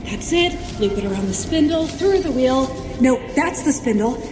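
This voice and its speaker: An actress playing a brisk, sarcastic, bossy sorceress superheroine in a scripted audio drama. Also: female voice, high-pitched, animated, reverberant, recorded from a distance, noisy background. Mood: brisk, commanding.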